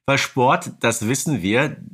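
A man's voice: medium pitch, slow pace, a bit bright, slightly rough. Conversational man co-hosting a podcast. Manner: conversational, often adds check-in tag questions. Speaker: podcast co-host. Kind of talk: casual chat about audio dramas.

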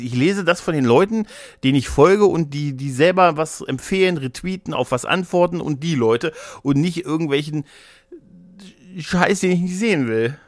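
A dry recording captures a podcast co-host whose voice sits in the mid range. He rambles through casual conversation, slipping English slang into his everyday speech.

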